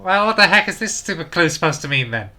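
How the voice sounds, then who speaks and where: Man voicing a bright, spirited young game heroine. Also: on the high side, lively intonation, fast talker, voice pushed up. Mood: exasperated. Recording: game music behind the voice.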